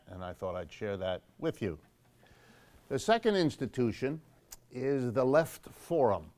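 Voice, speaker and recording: An older man hosting a monthly public talk in a church, introducing sponsors in a relaxed way with dry jokes and frequent fillers. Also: lowish voice. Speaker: host of a monthly public lecture event. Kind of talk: casual spoken introduction to a live audience. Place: church hall before a seated audience.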